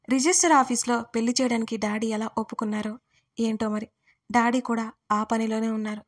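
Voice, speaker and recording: Woman narrating a romance story, higher voice. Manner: intimate, emotional storytelling voice. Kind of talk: first-person scripted romance narration.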